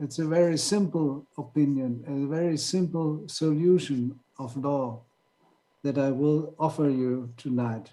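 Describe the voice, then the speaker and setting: Amid audible room echo, a man with a non-native accent speaks slowly in a dark, mellow tone at a fairly high pitch, with ordinary pitch variation. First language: not English. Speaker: lawyer. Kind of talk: conference speech. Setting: online conference. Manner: halting.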